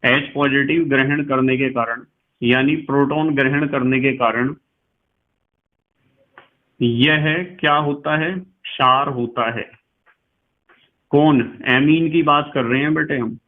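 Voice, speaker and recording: A middle-aged man with a western Uttar Pradesh Hindi accent, teaching chemistry as a lecture, explaining slowly, repeating key phrases and quizzing his students. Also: medium pitch, steady tone. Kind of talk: classroom lecture. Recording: tinny phone-like sound.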